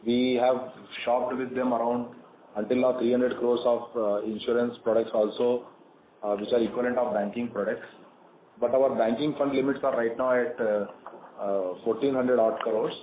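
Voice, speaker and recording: A man with an Indian accent speaks as an executive on an earnings call, explaining things in a measured way. His mid-pitched voice comes through a narrow telephone band, with noticeable echo and some noise. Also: level tone. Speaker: company executive answering investor questions. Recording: phone-like conference line, echoey, clearly noisy.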